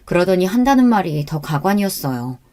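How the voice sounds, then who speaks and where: A woman reads a first-person life story as scripted narration. Her telling is steady and earnest, in the manner of a radio story reading. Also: on the low side, brisk.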